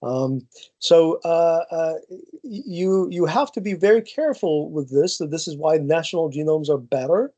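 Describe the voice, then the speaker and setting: A man's voice: on the high side, normal speed, warm tone, muffled recording. A man answering audience questions over a video call, thoughtful and full of hesitant restarts. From Ukraine. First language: Ukrainian. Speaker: guest speaker, geneticist.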